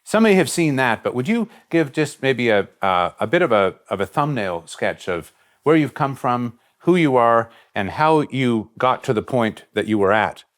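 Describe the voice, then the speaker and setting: A man hosting a reflective long-form interview, speaking in a measured, hesitant way with winding sentences. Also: medium pitch, very animated. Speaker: interview host, head of a college.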